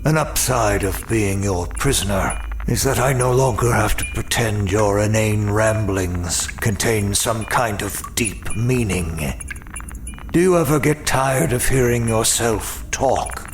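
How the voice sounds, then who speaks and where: An actor playing a weary, wry imprisoned demon in an audio drama, speaking in a measured, dryly sardonic way. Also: male voice, fairly low pitch, noisy background. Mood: dry defiance. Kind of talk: first-person audio drama narration and dialogue.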